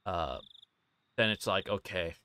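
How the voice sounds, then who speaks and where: A man livestreaming a visual novel, reading text aloud and commenting casually in a halting, informal way. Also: low-pitched, sharp tone. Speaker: streamer.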